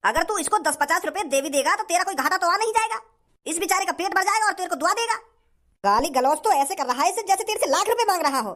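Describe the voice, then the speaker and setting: Man doing a squeaky swaggering rich kid. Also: expressive, fast talker, bright, forceful tone, full character voice. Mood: scolding. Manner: swaggering, scolding. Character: brash rich young male show-off.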